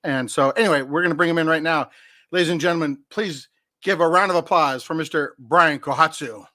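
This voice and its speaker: A man in his fifties with a bright, forceful voice hosts a comedy chat show. He talks playfully and pokes fun at himself. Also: fairly high pitch, a little fast. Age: 50s. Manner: playful, self-mocking. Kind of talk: casual comedic banter.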